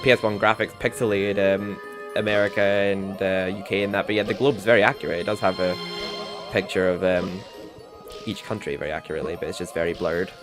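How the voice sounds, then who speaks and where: A man's voice: sits low, steady tone, a little fast. A young man chatting casually as he livestreams a game, rambling and laughing to himself. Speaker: gaming streamer. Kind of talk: casual gameplay commentary. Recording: game music playing underneath. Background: game music.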